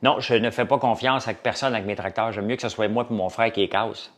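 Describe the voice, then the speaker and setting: A man's voice: on the low side, fairly even intonation, fairly quick. Rambling Québécois French man chatting. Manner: rambling, many fillers, jumps between topics. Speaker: farmer and business owner. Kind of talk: casual chat to a live audience.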